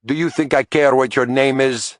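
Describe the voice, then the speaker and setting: A man voicing a furious middle-aged male jewelry store owner with a thick Italian accent, shrill and frantic. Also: fairly even intonation, normal speed, no echo, studio quality, lightly acted. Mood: outraged.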